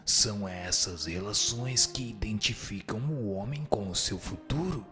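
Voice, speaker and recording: A man performs a grave spirit mentor in an audio drama. The voice is deep and bright, with a slow, measured delivery that admonishes and instructs solemnly. Faint music plays underneath. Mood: solemn, instructive. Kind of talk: scripted audio drama reading of a spiritual text.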